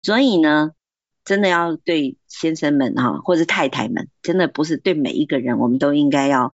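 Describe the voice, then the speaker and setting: A woman's voice: sits low, moderate pace, no echo, muffled recording. A woman giving earnest, encouraging Christian advice on marriage and self-control, acting out quoted remarks. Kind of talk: faith-based advice talk.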